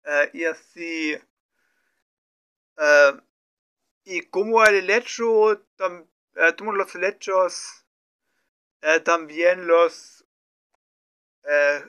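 A man working his way through a story in Spanish as a learner, stopping often to fill gaps and correct himself. His voice sits fairly high and sounds bright and smooth. He takes his time, pausing between short bursts. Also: highs cut off. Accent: non-native Spanish learner. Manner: slow, hesitant, many fillers and restarts. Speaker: language learner streaming his practice. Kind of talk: halting improvised practice talk.

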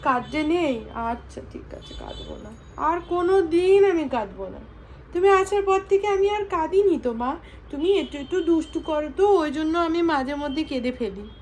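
A woman's voice: high voice, lively intonation, moderate pace, a little mellow, a little hiss or hum. A young woman, a mother, chatting in a family vlog and talking in affectionate baby talk to her small daughter. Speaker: vlogger mother. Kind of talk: casual family vlog chat.

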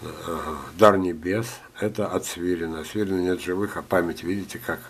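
Older male gardening teacher, low-pitched, coughing, chatty with jokes. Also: fairly even intonation, moderate pace, slightly rough. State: ill, coughing. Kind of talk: screen-share talk reading viewer letters.

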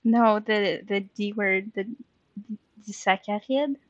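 A woman's voice: mid-range voice, slow pace, no room sound, dull audio. A young woman doing casual live gameplay commentary in a giggly, gushing way, as a game streamer. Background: game music.

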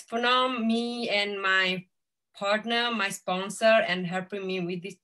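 A woman's voice: mid-range voice, bright, forceful tone. A young woman from Sweden giving an informal speech on a video call, searching for words as she goes. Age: young adult. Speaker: seminar speaker.

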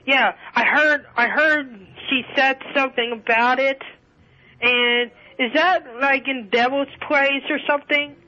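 Halting radio show caller on a dull phone line. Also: male voice, very high-pitched, fairly even intonation, sharp tone. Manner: halting, rambling, many restarts and fillers. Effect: caller heard over a phone line.

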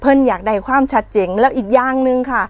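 A woman's voice: high voice, racing, no echo. A woman in her thirties with an Isan accent, anchoring a regional news segment in a chatty, folksy way, recorded in a TV studio on a lapel mic. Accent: Isan (Northeastern Thai). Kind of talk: casual regional news chat.

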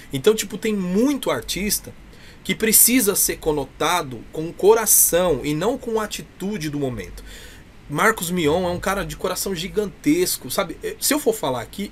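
Higher-voiced effusive Brazilian man, noisy recording. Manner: effusive, talkative. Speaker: interview guest, clown performer. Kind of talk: casual chat. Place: indoors, small room with cloth backdrop.

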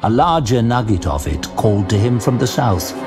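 A man narrating a scripted fantasy story dramatically, in a measured, suspenseful manner. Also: lowish voice, sing-song. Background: music.

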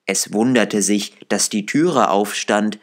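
A man narrates a fairy tale as a storyteller. His voice sits fairly low, and he reads the scripted text at an unhurried, very slow pace.

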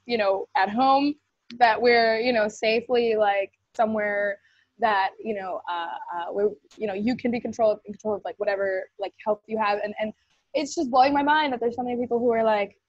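A woman's voice: fairly high pitch, a little fast, dry recording. Young woman co-host on a dull webcam line. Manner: rambling, many fillers, laughs often. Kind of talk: casual video call chat. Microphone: webcam on video call. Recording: dull, dry webcam audio.

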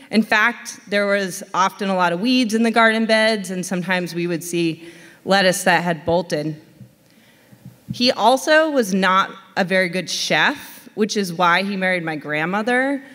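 A woman from western Massachusetts tells a personal story to a live audience, reflective and unhurried. Her voice sits in a middle register. A long hall reverb trails her words. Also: mid-range voice, a bit bright. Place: stage in a hall.

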